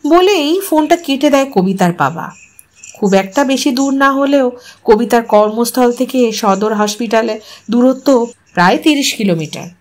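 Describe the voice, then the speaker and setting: Higher-voiced woman narrating a story. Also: animated, normal speed. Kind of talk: scripted dramatic story narration.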